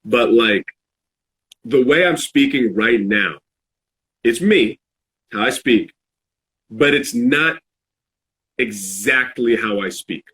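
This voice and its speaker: A man in a casual, reflective podcast chat, halting as he searches for words. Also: mid-range voice, animated, fairly bright tone. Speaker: podcast speaker.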